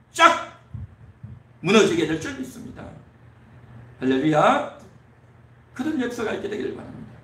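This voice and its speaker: High, animated Korean preacher in echoey hall. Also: male voice. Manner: preaching with rising emphatic repetition. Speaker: pastor. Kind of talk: sermon. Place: church sanctuary. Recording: echoey church hall, distant mic.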